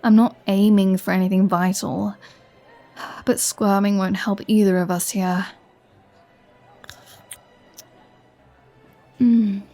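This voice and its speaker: A woman's voice: mid-range voice, steady tone, measured pace, dark tone, lightly acted. A woman playing a flirty, sardonic vampire in an ASMR roleplay, teasing and sarcastic with a playful threat. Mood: impatient, teasing. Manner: teasing, sarcastic, conversational with sighs. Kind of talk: ASMR roleplay audio drama.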